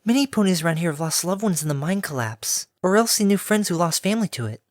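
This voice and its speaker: Sweet breathy pony lady, soft and kind, way higher up, a guy doing her voice, dry sound. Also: animated, quick pace, no echo. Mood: gentle somber. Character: gentle soft-spoken kindly female pegasus pony.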